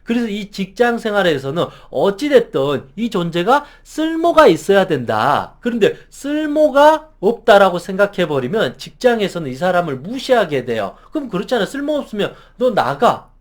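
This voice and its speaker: A man's voice: high voice, very animated, normal speed, few pauses. A middle-aged man giving an earnest advice lecture as a counselor, stressing his points emphatically. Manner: earnest, emphatic, acts out example phrases.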